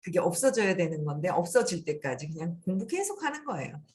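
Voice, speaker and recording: Lively Korean woman giving a spiritual talk. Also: on the low side, brisk. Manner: animated, acts out quoted thoughts. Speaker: host.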